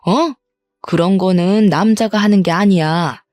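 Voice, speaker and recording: A woman voicing a sharp-tongued older mother-in-law who nags and scolds with contempt. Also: medium pitch, measured pace, no echo, close to an everyday voice. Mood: scornful. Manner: nagging, scornful scolding.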